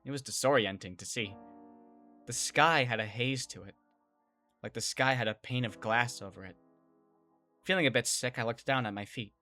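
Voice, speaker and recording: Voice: mid-range voice, moderate pace, pauses often, bright, forceful tone, soft background music, close to an everyday voice. A performer playing an anxious, wry young survivor woman, narrating and speaking in a first-person audio drama. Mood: tense, wry.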